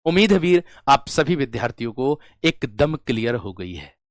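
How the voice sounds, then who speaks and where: A man teaching a Hindi class, slowly repeating words, addressing students as friends, while running a fever. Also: medium pitch, big pitch swings, no echo, studio quality. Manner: slow, drawn-out repetition of words. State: has a fever. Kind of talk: online class lecture.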